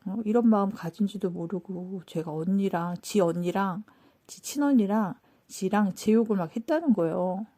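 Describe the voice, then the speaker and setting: A woman telling a personal story in a casual, animated way, acting out what people said. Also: medium pitch. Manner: animated, acts out quoted dialogue. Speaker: channel host telling a story.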